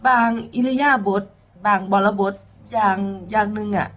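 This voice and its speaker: A woman's voice: medium pitch, fairly even intonation, moderate pace, fairly bright tone. Tearful Isan woman pleading earnestly. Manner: earnest, pleading, addresses listeners directly. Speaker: mor lam singer. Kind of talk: tearful personal storytelling.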